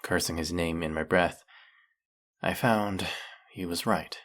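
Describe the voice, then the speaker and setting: Man doing a snake-headed villain, very low voice, slow and measured, gravelly, formal and soft-spoken, audio roleplay. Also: steady tone. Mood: bitter storytelling.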